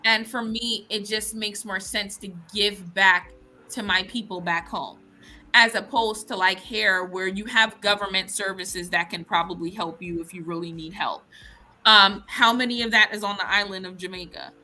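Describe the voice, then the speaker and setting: Woman, US-born panel guest, emphatic and frank, bright forceful tone. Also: mid-range voice, steady tone, normal speed. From United States. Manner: emphatic, frank, restarts often. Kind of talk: casual discussion.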